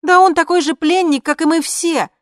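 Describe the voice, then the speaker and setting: A woman reading an audiobook, voicing an excitable young woman friend who chatters in a gushing rush. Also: extremely high pitch, moderate pace, dry recording, clean studio sound, voice pushed up. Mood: excited. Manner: breathless, gushing.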